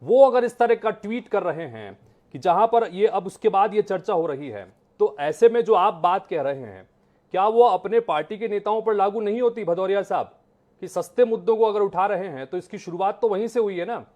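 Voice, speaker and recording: Male debate host, high voice, probing moderator style. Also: animated, normal speed, lo-fi sound. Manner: probing questions, frequent listening hums. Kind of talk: moderating a live panel debate.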